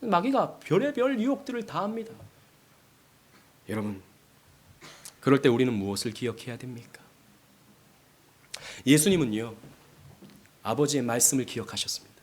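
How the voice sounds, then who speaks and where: A man's voice: fairly high pitch, expressive, moderate pace, pauses often. A male pastor preaching a sermon, acting out the lines of quoted voices as he goes. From South Korea.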